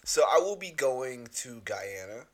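A young man co-hosting a podcast in casual chat, laid-back and joking, his voice deeper than usual and often clearing his throat. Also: sing-song, measured pace. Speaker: podcast co-host and therapist.

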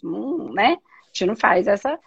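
A woman with a gravelly, husky, medium-pitched voice speaks a little slowly with big pitch swings, and the audio sounds dull. As a spiritual teacher, she muses reflectively, frequently asking questions and supplying her own answers.

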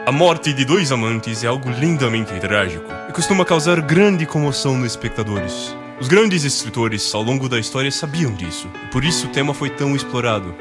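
A man's voice: mid-range voice, animated, brisk, hardly any pauses. A man narrating a scripted comedic radio play in a dry, mock-solemn manner. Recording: music clearly behind the voice.

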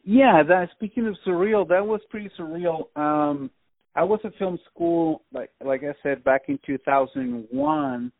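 Guy in his 40s, gravelly voice, halting relaxed answers, tinny phone sound. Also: high-pitched, no room sound. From Venezuela. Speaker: film director guest. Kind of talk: casual interview answers. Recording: tinny dry phone line.

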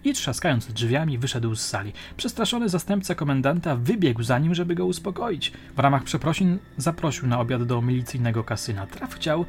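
A man narrating a crime audiobook in a measured, dramatic storytelling manner. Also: mid-range voice. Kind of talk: audiobook reading.

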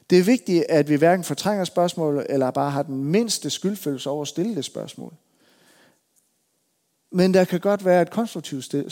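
Preaching with a rather high voice, this male pastor builds force through repeated, emphatic phrases, then shifts to telling a story at an easy pace.

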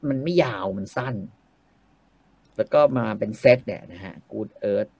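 A man's voice: fairly low pitch, a little slow, creaky, a little mellow, slightly rough, no room sound. A middle-aged man in casual chat about novels and cartoons, blunt and salty, with coarse slang.

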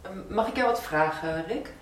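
A woman's voice: medium pitch, expressive, moderate pace, lightly acted. An actress playing an opinionated, eager young activist woman who questions pushily in naturalistic audio drama dialogue. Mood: insistent. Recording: echoey, distant, noisy ambience.

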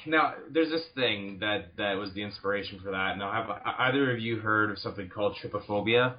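A man's voice: lowish voice, brisk, highs cut off. A man talking as a podcast guest, rambling and restarting his sentences. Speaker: comic book writer guest. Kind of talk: casual podcast chat.

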